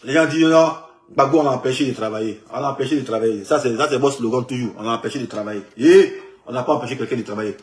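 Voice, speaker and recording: A man's voice: medium pitch, very fast. Emphatic Ivorian man ranting in an echoey room. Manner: emphatic, repetitive, mocking. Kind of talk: animated political rant in casual street French.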